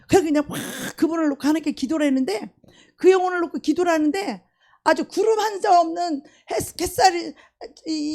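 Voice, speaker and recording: A woman's voice: extremely high pitch, gravelly. A woman pastor giving a testimony sermon, acting out her own past prayers and doubts and breaking into bursts of emphatic praise. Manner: shouts out praise in rising bursts.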